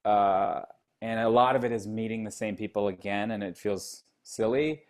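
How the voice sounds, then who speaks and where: A man with a soft voice, guesting on a podcast, talking hesitantly as he thinks aloud into a handheld mic. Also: lowish voice, normal speed. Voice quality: soft, ASMR-like voice. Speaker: guest comedian. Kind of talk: casual chat. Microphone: handheld mic held to mouth.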